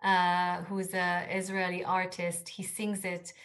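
A woman's voice: lowish voice, completely flat delivery, slow pace, a bit bright. A woman whose first language is Hebrew, a guest author speaking earnestly and reflectively in a podcast interview, with frequent restarts.

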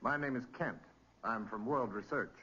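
A man's voice: mid-range voice, moderate pace, pushed and bright, husky. An actor playing a polite, fussy businessman with formal, insincere courtesy in a 1940s radio crime drama. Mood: unctuous. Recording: dull, noisy old radio recording.

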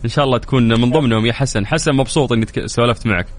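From a radio studio, a male host runs a call-in show in a breezy, joking way, holding a contest and promoting an event. He speaks at medium pitch and rapid-fire.

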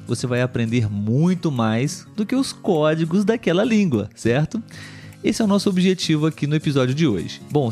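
A young Brazilian man who hosts a language-learning podcast, speaking clearly and warmly as he talks directly to learners. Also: a little high. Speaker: podcast host and Portuguese tutor.

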